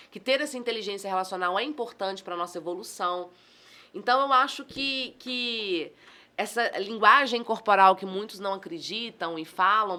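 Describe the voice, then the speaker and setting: A communication trainer with a Brazilian accent chats casually as a podcast guest in a mid-range voice. She is animated and exclamatory, acting out the dialogue in her stories.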